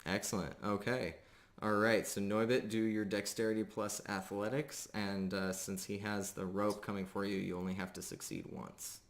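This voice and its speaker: A man narrating a live tabletop game as game master, casual and pausing often as he goes. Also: lowish voice, little pitch movement.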